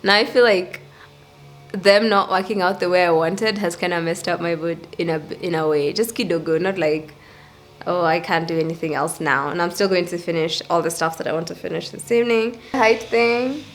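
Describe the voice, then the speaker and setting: A young woman vlogging casually at home, rambling and thinking out loud as she talks. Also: lowish voice, brisk, a little hiss or hum, poor audio. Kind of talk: casual vlog chat. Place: at home, indoors.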